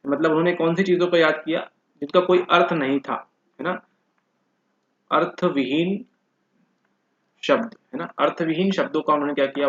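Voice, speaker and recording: A man teaches an exam-prep class in a slightly higher voice. He keeps asking his listeners questions and then answers them himself. The sound is dull and lo-fi, with a roomy echo. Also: a bit bright. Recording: echoey room, dull lo-fi sound.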